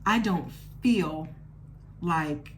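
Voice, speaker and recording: A woman in her thirties hosting her podcast as a candid solo monologue, expressive and blunt, swearing freely. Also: deep voice, extremely slow, a little hiss or hum. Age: 30s. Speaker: podcast host.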